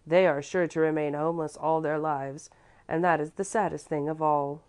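A weary, homeless beggar mother in an old storybook, read by a woman, pleading in a plaintive tone. Her voice sits a little low and is delivered evenly. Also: steady tone, normal speed, a little mellow, natural voice.

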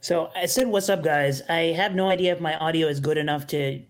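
A young man speaking as a podcast guest, his voice sitting a little high. He talks in a casual, hesitant way, often starting over and leaning on fillers. His tone stays relaxed and conversational. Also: fairly quick. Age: young adult. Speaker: podcast guest, fantasy sports analyst. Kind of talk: casual interview chat.

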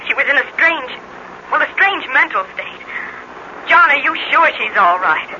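An actress playing a concerned, polite neighbor, earnest and a little hesitant, in a 1950s radio drama. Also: female voice, high-pitched, expressive, normal speed, sharp tone, exaggerated voice. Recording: dull noisy old radio recording.

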